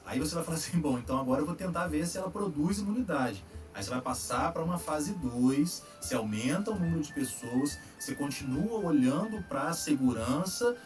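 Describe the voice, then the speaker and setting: A man with a Brazilian Portuguese accent hosting a casual chat, explaining vaccine trials in a relaxed, slangy way with frequent tag questions. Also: fairly high pitch, recorded from a distance. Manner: relaxed, slangy, lots of "tá?" tags. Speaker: host answering viewer questions on vaccines.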